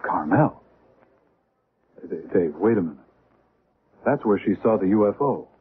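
Wry jealous guy in an old radio play, deep voice, noisy thin radio sound. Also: animated, unhurried. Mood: anxious, urgent. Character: wry, jealous man, romantic rival turned anxious. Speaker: radio drama actor. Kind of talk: 1970s radio drama acting. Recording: noisy, narrow-band old radio recording.

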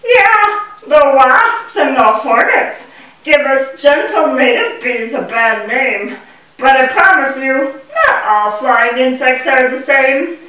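Woman voicing a bright, sing-song puppet bee. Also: high-pitched, lively intonation, takes it slowly, full character voice. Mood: friendly. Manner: sing-song, emphatic explaining. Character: gentle, busy female mason bee puppet, earnest. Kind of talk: rhyming children's educational puppet show. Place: indoor puppet stage in a room. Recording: echoey room, distant microphone.

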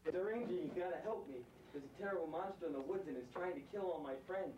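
A teenage boy playing a panicked boy who wants to avenge his friends, talking in an excited, rambling way in a homemade school video. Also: high-pitched, fast talker, highs cut off, close to an everyday voice. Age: teens. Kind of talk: amateur school video acting. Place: woods outdoors. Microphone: camcorder mic. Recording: noisy old camcorder tape.

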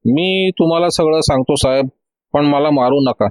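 Scared young male suspect, hesitant and pleading, higher voice, as a narrator puts him on. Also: normal speed, a little mellow, natural voice. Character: frightened young male taxi driver suspect.

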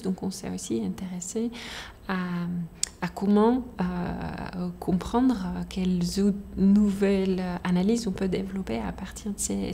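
Woman in her 40s, low mellow gravelly voice, lots of ums, interview in a lecture hall. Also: slight background noise. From Netherlands. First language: Dutch. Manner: thoughtful, hesitant, many fillers and restarts. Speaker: conflict transformation researcher. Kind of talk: interview answer. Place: indoor lecture hall with red seats.

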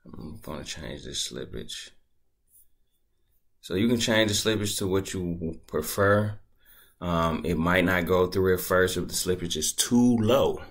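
Man, very deep voice, slow relaxed delivery, casual tutorial narration. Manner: laid-back, conversational, thinking aloud. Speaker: crypto tutorial creator. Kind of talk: casual screen-recorded tutorial.

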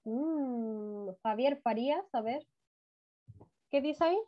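A woman teaching a first-grade reading class over a video call, praising often and drawing words out. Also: sits high. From Chile. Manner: warm encouraging praise, drawn-out words, frequent "muy bien". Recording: dull lo-fi video call audio.

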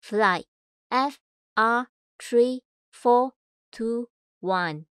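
Female announcer, fairly high and smooth, unhurried formal delivery, dry studio sound. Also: a bit bright, no room sound. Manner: formal, measured, carefully enunciated. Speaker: voice-over announcer. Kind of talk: scripted public announcement.

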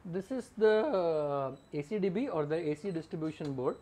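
A man's voice: fairly high pitch, expressive, normal speed, music in the background. A middle-aged man, a solar engineer, explaining equipment to camera in an earnest way, often repeating words for emphasis, recorded outdoors on a rooftop garden with a lapel mic.

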